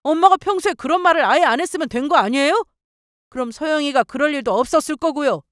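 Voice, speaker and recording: A protective young husband, voiced by a woman narrator talks back to his mother in a firm, reproachful way. His tone is earnest and lively, with a fairly high, dry story-radio sound. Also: normal speed, dry recording.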